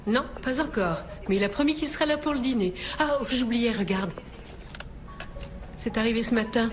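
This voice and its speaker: A woman's voice: a little high, moderate pace, lightly acted. An actress in a dubbed thriller playing a caring, proud middle-aged mother with a tender, earnest manner. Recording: clear background noise.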